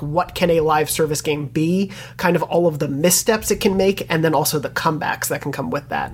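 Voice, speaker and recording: A podcast host talking through a news item in casual panel discussion, with many restarts, then passing questions to co-hosts. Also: mid-range voice.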